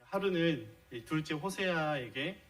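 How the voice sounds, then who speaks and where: A man's voice: a little high, lively intonation, a little slow, a bit bright, low-quality recording. A middle-aged man preaching a sermon in a church, explaining his points earnestly and posing rhetorical questions to the congregation. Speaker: pastor. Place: church sanctuary.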